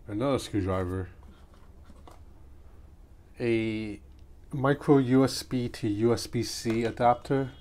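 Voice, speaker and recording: Taking his time with long pauses, a man with a medium-pitched, slightly mellow voice thinks aloud during a hands-on unboxing for his gadget vlog. Street noise from outside makes the small home recording space clearly noisy.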